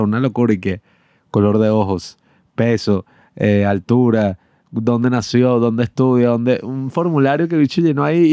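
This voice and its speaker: A young man chatting on a podcast. He tells his stories with energy and puts on the voices of the people in them. His voice is dark and mellow, recorded close with no room sound. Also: mid-range voice, no echo. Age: young adult. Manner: animated anecdotes, acting out quoted voices, laughs often. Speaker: podcast co-host. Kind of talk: casual storytelling chat.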